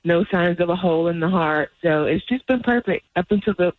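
A woman's voice: lowish voice, a little fast, dry recording. Woman guest on a tinny phone line. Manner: laughs easily. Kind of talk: casual personal storytelling in a radio interview.

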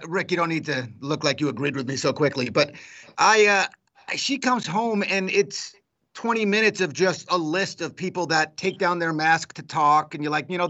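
A man's voice: fairly high pitch, sharp tone, dull audio. A man who hosts morning radio, chatting casually in a rambling, self-deprecating way. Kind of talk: casual podcast chat.

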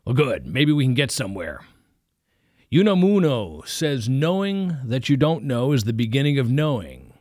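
A gruff older preacher, as a male reader puts him on, blunt and folksy, barking orders with a raised, commanding voice. He sits in a dry, close-miked sound with no room around it. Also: medium pitch, sing-song, normal speed, a little mellow, no room sound, pitched above the performer's own voice, natural voice.

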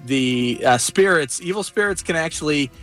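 Halting, fairly high-voiced male radio reporter. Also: expressive, a bit bright, faint music behind. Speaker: radio show field reporter. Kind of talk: casual live on-air storytelling.

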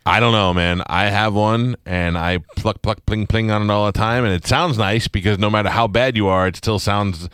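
A man's voice: on the low side, normal speed, hardly any pauses, a bit bright, clean tone, no echo, studio quality. A man hosting a casual interview, joking and teasing his guest. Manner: jokey, teasing. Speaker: radio host.

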